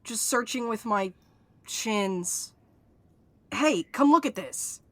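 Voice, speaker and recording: A woman's voice: a little high, expressive, slow, fairly bright tone. An actress playing a curious, puzzled woman exploring ruins, in naturalistic audio drama dialogue.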